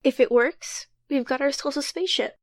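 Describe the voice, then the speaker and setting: A woman's voice: sits high, normal speed, no room sound, studio quality. A woman playing an earnest, cautious young time traveler who takes charge and explains things carefully in an audio drama. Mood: reassuring, confident.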